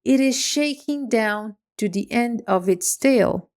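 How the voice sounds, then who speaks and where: A woman reading a children's story aloud for English learners, in clear, measured storytelling. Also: on the high side, animated, a little mellow. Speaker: story reader.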